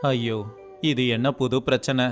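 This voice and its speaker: A man's voice: mid-range voice, flat delivery, unhurried. A man voicing several village men in turn in a storybook dialogue. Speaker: voice actor for story characters. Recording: faint music behind.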